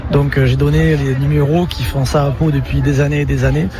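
A man who is a basketball coach answers radio interview questions haltingly, with frequent fillers. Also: mid-range voice, little pitch movement, over music.

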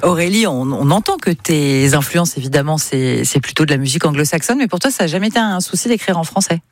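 A woman hosts a radio music show, talking with chatty, eager enthusiasm. Her voice sits somewhat low, and the recording is close and dry. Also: lively intonation, fast, dry recording. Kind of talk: radio interview hosting.

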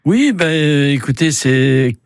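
A man's voice: a little high, lively intonation, takes it slowly. A middle-aged man from Savoie, a novelist guest on a radio interview, speaking thoughtfully with many hesitations. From France (Savoie). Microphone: studio microphone.

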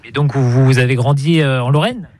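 A man's voice: medium pitch, a little fast, darkish tone, dry recording. A man interviewing a villager for radio, asking playful, teasing questions. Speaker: radio reporter. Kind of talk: street interview.

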